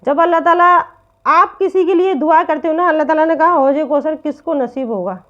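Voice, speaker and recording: A woman with a high-pitched voice speaks to online viewers in an informal religious talk. She urges her listeners earnestly and circles back to the same points again and again. The recording is dull and lo-fi. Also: a little fast, a bit bright. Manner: earnest, repetitive urging.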